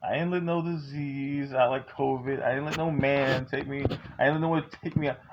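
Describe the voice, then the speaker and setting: A man's voice: medium pitch, fairly even intonation, brisk, highs cut off, a little hiss or hum. A man in his forties talking at home, candid and joking but earnest as he gives advice. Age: 40s. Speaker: vlogger. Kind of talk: casual talk to camera.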